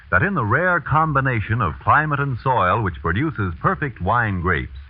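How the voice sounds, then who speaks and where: A man reading a sponsor's commercial in a polished, persuasive 1940s radio announcer style. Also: lowish voice. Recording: tinny 1940s radio broadcast.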